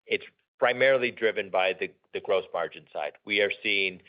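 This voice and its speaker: A man speaking as a company executive, answering questions off the cuff in a measured way, often rephrasing himself. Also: on the low side. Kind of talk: unscripted earnings call answers. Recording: dull, band-limited conference call audio.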